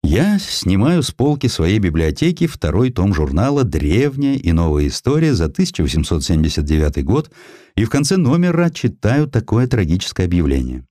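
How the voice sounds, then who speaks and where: A man's voice: fairly low pitch, big pitch swings, brisk, mellow, no echo, clean studio sound. A man reading a historical sketch as scripted narration, as an audiobook narrator.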